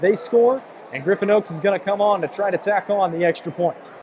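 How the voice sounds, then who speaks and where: A man's voice: high voice, brisk. A young man doing live play-by-play American football commentary as a sportscaster. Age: young adult. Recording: clear stadium background noise.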